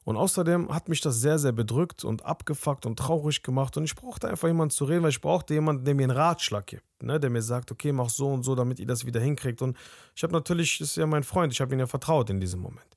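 A man's voice: on the high side, fast, gravelly, no echo, studio quality. A young man hosting a podcast and telling a candid personal story in a conversational way, often tagging his sentences with a questioning aside. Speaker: podcast host.

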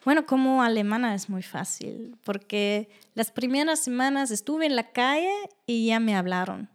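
A young woman from Germany with a German accent, speaking Spanish as a second language, telling stories from her life in a casual interview and acting out the people she quotes. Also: moderate pace. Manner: animated, acts out quoted voices with high pitch jumps. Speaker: guest.

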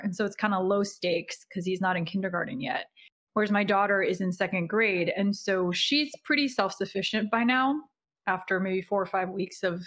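A woman's voice: medium pitch, fairly bright tone. Earnest woman, candid and plain. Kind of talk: casual conversation.

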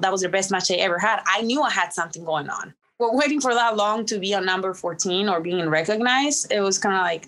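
A woman's voice: mid-range voice, fairly bright tone. Woman, wrestler guest, candid and emphatic, casual interview. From Mexico. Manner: candid, emphatic, self-assured.

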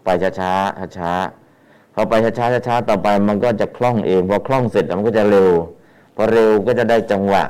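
Low-voiced Thai man teaching chant. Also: a little mellow, clear, resonant tone. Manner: repeats phrases, demonstrates chanting rhythms. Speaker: Buddhist scripture teacher. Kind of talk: teaching and chanting Pali verses.

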